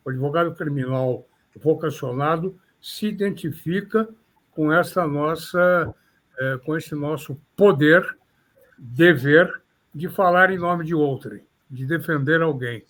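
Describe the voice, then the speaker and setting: Casting note: older male lawyer with a São Paulo accent, formal and measured, voice sitting a little high. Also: a bit bright. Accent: São Paulo Portuguese. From São Paulo, Brazil. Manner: measured, formal, slightly florid phrasing. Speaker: criminal defense lawyer, guest. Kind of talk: reflective interview answers.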